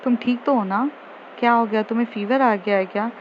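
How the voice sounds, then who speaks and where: A caring young tutor with a fairly high voice fusses, scolds and gently coaxes, as a woman storyteller reads her lines. The recording sounds a little dull, with a faint hiss underneath. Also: brisk, natural voice. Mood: worried. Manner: fussing, scolding, then gently coaxing.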